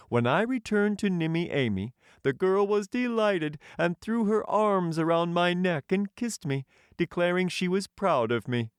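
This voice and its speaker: A man's voice: high-pitched, smooth, no echo, clean studio sound, voice pushed up. A man voicing a proud, courtly tin man emperor who tells stories in formal, grand storybook language, cheerfully pleased with himself. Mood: earnest, cheerful. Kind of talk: audiobook character voice.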